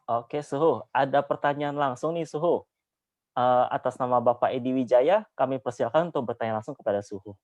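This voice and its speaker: A man's voice: medium pitch, brisk, darkish tone, dry recording, dull audio. A man moderating an online session, politely announcing a question from a viewer.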